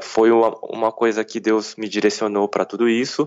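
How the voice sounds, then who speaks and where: A man's fairly low voice at a fairly slow pace. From Brazil (Korean-born, arrived age 4). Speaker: missiology professor and pastor. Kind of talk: interview, lecture-style explanation.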